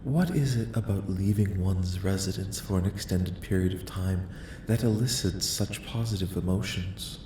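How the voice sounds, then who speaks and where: Man acting as curious alien researcher, soft-spoken, lowish pitch, formal, detached, measured, ASMR roleplay, roomy echo. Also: close to an everyday voice. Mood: calm, curious. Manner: formal, clinical, measured questioning. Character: curious, polite, detached alien researcher studying human dreams. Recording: echoing voice with faint rumbling noise.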